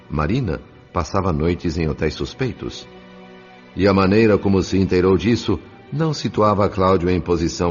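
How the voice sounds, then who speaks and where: Male narrator, low-pitched, scripted dramatic audiobook delivery, slightly dull recording, music bed.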